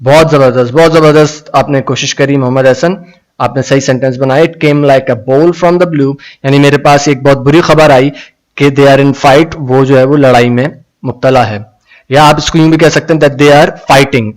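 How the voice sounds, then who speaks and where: A man teaching English idioms in Urdu on a live stream, reading the English lines slowly and then explaining them. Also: medium pitch, fairly even intonation, rough recording. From Pakistan. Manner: reads viewers' comments aloud.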